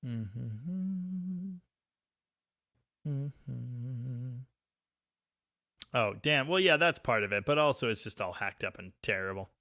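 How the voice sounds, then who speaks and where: A man hosting a live stream, chatting casually and reading viewer comments, with a very loud voice recorded on a phone. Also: medium pitch, lively intonation, takes it slowly, pauses often, no echo, studio quality. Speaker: livestream host reading chat. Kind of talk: casual live chat about cars. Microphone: phone microphone.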